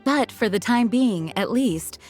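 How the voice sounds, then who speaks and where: A woman voicing a composed adult woman officer who explains traditions in a formal, measured way, in a video game. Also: fairly high pitch, expressive, a little mellow. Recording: game audio with faint music.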